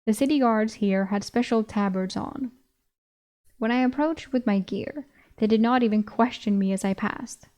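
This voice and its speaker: A young woman with a Swedish accent reads a fantasy novel aloud in a slightly high voice. She is a native Swedish speaker and keeps slipping into giggly asides between passages. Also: normal speed, darkish tone. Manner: giggly, breaks into laughter. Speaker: vtuber reading a novel aloud. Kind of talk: audiobook reading with commentary.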